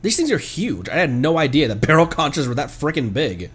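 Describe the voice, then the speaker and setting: A man livestreaming a game with casual commentary, thinking aloud in a halting way. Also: fairly high pitch, very animated, husky.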